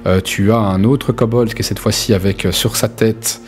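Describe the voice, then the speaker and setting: A man's voice: fairly low pitch, steady tone, moderate pace. A man improvising narration as game master of a tabletop role-playing game, in a hesitant, conversational way.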